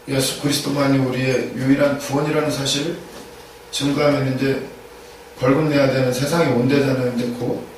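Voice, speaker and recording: A man's voice: medium pitch, gravelly. Emphatic male preacher in an echoey church. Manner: emphatic, repeats key phrases, asks rhetorical questions. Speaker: pastor. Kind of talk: sermon. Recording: echoey room, distant mic, faint noise.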